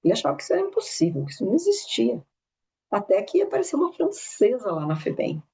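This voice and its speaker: A Brazilian woman casually retelling a story at a spiritist study talk, animated, with many tag questions and restarts. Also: a little high, quick pace, vocal fry. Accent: São Paulo interior Brazilian Portuguese.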